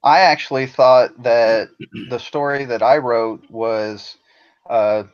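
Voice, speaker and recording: A man tells anecdotes in easy, chatty podcast talk at an ordinary pitch. His audio sounds dull and lo-fi, as if from a remote line. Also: steady tone, slow. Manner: chatty, telling anecdotes with a laugh. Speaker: writer guest. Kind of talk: casual podcast discussion.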